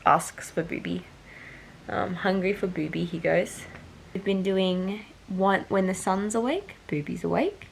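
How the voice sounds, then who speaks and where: Hay fever leaves this young vlogger sounding tired and nasal as she rambles to camera, correcting herself mid-chat. Her voice is mid-range and creaky. The recording is low quality.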